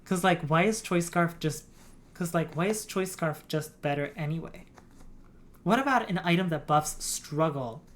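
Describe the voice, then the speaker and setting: A woman's voice: lowish voice, moderate pace. A woman streaming a game, explaining game mechanics in a rambling, giggly way. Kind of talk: casual gameplay stream chat.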